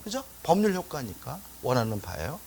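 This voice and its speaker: A middle-aged man teaches law for an exam course in a conversational way. His pitch rises and falls a great deal. He keeps asking the class rhetorical questions. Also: huge pitch swings, a little fast, gravelly, a little mellow, slight background noise. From Seoul, South Korea. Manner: chatty, asks rhetorical questions, tells anecdotes. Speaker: law lecturer. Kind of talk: exam-prep lecture.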